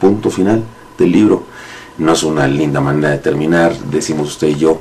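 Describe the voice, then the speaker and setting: Noticeable background noise beneath a man's fairly quick delivery and ordinary pitch variation. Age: 50s. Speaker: pastor. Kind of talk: devotional sermon. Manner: halting.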